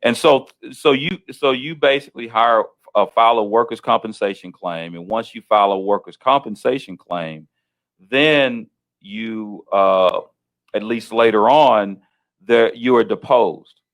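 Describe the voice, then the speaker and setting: A man's voice: lowish voice, unhurried. A middle-aged man conducting an interview, asking long leading questions with frequent restarts and checks like "right?". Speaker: interviewer, host.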